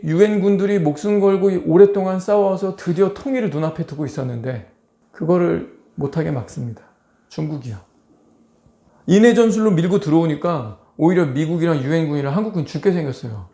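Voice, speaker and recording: A man preaching from the pulpit with a mellow, slightly high voice. He acts out little scenes and jumps into high, put-on voices. The sound carries the echo of a large hall. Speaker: pastor. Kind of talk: sermon. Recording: echoey church hall.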